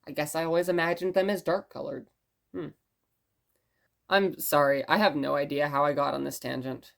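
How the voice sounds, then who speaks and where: A woman acting as a gentle radio host in an audio drama, telling stories in a musing, conversational way. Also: low voice, fairly even intonation, normal speed, creaky. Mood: rambling, musing. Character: rambling, gentle blind radio station host.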